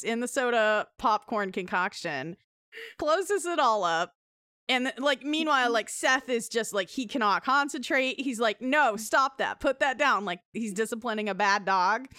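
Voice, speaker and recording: Podcast host, woman, slightly high and very bright, animated storyteller. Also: clean tone, dry recording, clean studio sound. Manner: animated storyteller, laughing often. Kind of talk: casual chat, recounting a wrestling segment.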